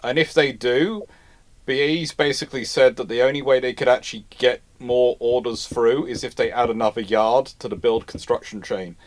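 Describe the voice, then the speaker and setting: A man's voice: medium pitch, steady tone, normal speed. A man hosting a live history Q&A in casual expert discussion, often repeating and rephrasing himself as he goes. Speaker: host of a live naval history Q&A.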